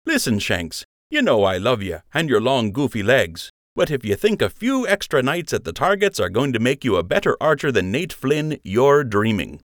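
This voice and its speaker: Lund, a wisecracking young rabbit friend put on by a male narrator, leaps high above the teller's own voice with a bright, lively lilt. He needles and jokes, smirking through every line, yet sounds loyal underneath. The storybook reading is close and dry, with no room around it. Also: normal speed, few pauses, dry recording, lightly acted. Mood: teasing. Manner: wry, smirking, playful teasing. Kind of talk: audiobook character voice.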